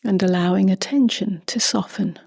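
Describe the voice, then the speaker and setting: A woman speaking softly and gently in a near-whisper as she guides a meditation, unhurried, with long pauses. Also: medium pitch. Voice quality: soft, breathy, near-whispered. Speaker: meditation teacher.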